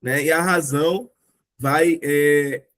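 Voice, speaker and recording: A Brazilian man leads a relaxed philosophy discussion, his voice sitting a little high for a man. He works through ideas patiently and keeps asking rhetorical questions, tagging his sentences with little checks for agreement. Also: slow. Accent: Brazilian Portuguese. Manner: explanatory, rhetorical questions, frequent "né". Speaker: discussion group host.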